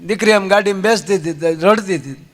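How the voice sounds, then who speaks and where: A man telling comic wedding stories on stage with a Saurashtra Gujarati accent, animated and acting out each character. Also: brisk. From Saurashtra, India. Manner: animated storyteller, acts out characters with pitch swings. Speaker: folk comedian. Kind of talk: stage comedy storytelling.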